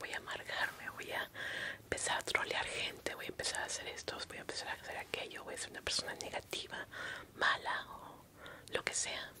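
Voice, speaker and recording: Whispering at a fairly quick pace, a woman sounds tearful, her loudness swinging widely over light background noise. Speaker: vlogger giving advice. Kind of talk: casual vlog chat. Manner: whisper with anguished, near-tearful expression. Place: studio.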